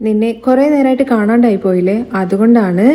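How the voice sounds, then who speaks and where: A woman's voice: fairly high pitch, fast talker, dark tone, close to an everyday voice. A woman reading a worried, defensive young husband's lines in her own voice, retelling a TV serial. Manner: defensive, explaining.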